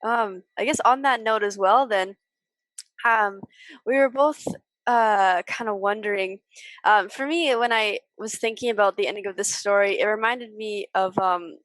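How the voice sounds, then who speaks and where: A young woman interviews as a podcast co-host, with a medium-pitched voice recorded very dry. She talks casually and a little hesitantly, in loose, informal phrasing. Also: a little slow, fairly bright tone, no echo, low-quality recording. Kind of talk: casual literary discussion.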